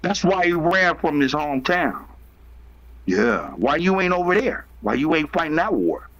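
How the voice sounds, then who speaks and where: A man's voice: on the high side, very animated, normal speed, a bit bright. A man arguing in a heated live-stream debate, aggressive and profane, hammering the same taunts again and again. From United States. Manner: aggressive, profane, taunting, repeats his jabs. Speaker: debate participant. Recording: dull lo-fi stream audio.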